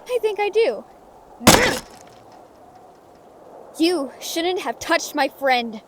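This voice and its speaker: Audio-drama author heroine, actress: high voice, earnest and defiant, emotional delivery, slight background noise. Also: female voice, very animated, a little slow. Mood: resolute. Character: earnest, defiant female author facing her villain.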